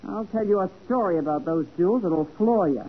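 A woman's voice: lowish voice, lively intonation, brisk, husky. An actress playing a tough, brassy American woman crook, defiant and slangy, in a 1940s radio crime drama. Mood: brazen. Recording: muffled noisy 1940s radio recording.

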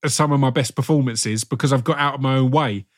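A man's voice: mid-range voice, fairly quick. Man with a stammer, chatting casually. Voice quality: stammer, repeated sounds and words. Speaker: actor hosting an interview. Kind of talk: casual conversational interview.

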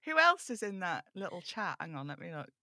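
A woman's voice: on the low side, big pitch swings, brisk, sharp tone, no echo, clean studio sound. A woman in informal, playful, rambling chat, joking as a cast member at a table read.

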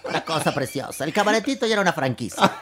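A speaker with a Mexican accent trading mocking, sharp-tongued jokes in a casual chat. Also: mid-range voice, animated, very fast, crowd noise.

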